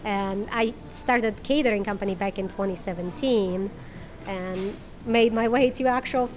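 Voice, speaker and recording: A woman's voice: mid-range voice, a little slow, a little hiss or hum. A woman from Ukraine, a cafe owner, answering a reporter's questions outdoors on a street in a friendly, earnest way.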